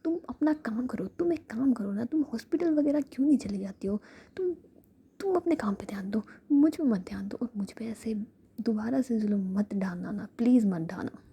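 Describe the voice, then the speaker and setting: A woman's voice: a little high, expressive, normal speed, dark tone, slightly rough, heavily acted. A woman whispering the lines of a grumpy, easily annoyed young woman in a spoken story.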